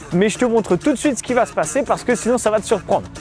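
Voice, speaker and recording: A man is talking over faint background music. The sound is dry, with no echo. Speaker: fitness coach. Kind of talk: workout instruction. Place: open country.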